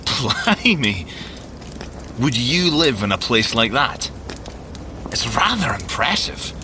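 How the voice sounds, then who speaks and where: An actor playing an excitable, grumbly young male tech-genius agent with a Scottish accent and a wry, geeky manner in an audio drama. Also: mid-range voice, takes it slowly, background noise. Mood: awed, wry. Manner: expressive, wry, boyishly geeky. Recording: music under the voice.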